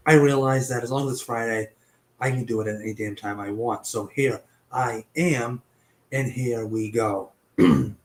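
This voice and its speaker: A man's voice: medium pitch, rough recording. Chatty man hosting with a cough. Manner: chatty, swears casually, stumbles over names. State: has a cough, voice partly lost. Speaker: host. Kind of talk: casual web show narration.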